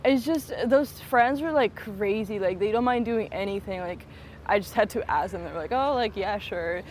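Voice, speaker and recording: A woman's voice: mid-range voice, moderate pace. A young woman from Spain, a photographer and director, talking in a casual walking interview with lots of "like" fillers and restarts. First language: Russian. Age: young adult. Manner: chatty, many "like" fillers and restarts. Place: outdoors on a college campus near traffic. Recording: outdoor street noise behind the voice.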